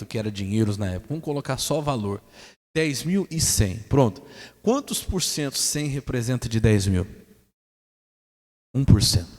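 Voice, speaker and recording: A man with a Brazilian Portuguese accent preaching a sermon as pastor, emphatic, putting questions to the congregation and swinging his voice up and down. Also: mid-range voice. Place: church hall. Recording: echoey hall reverb.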